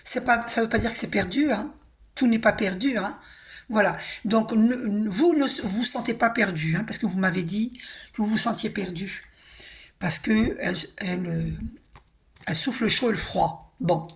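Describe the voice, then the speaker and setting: A hoarse woman giving a casual, reassuring spiritual card reading, often clearing her throat and asking "d'accord?". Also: mid-range voice, normal speed. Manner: chatty, reassuring, tag questions like hein and d'accord. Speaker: tarot and oracle card reader.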